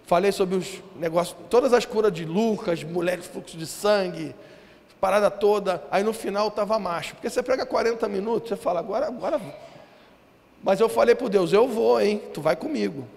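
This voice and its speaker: A man from Brazil preaching a sermon, telling a story in a lively, slangy way and acting out what people said. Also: sits high, fairly quick, gravelly. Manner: animated, slangy storytelling with acted-out quotes. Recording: reverberant hall with faint ambience.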